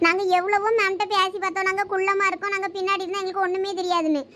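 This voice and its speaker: A woman's voice: extremely high pitch, level tone, rapid-fire, background noise. A woman playing a timid young female student who complains about being wronged. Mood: aggrieved. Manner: plaintive, complaining.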